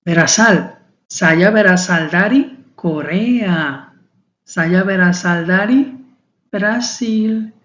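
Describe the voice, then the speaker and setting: Woman, 30s, beginner-lesson teacher, lowish voice, echoey lo-fi room sound. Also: a bit bright. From Mexico. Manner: slow, deliberate drilling with many repetitions. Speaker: foreign student teaching a beginner class. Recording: roomy, dull lo-fi sound.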